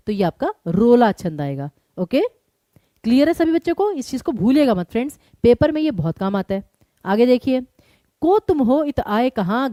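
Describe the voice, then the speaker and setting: Woman, teacher, exam-prep lesson, quizzes students, mellow tone, dry close sound. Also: on the high side, no room sound. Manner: quizzes students and explains briskly.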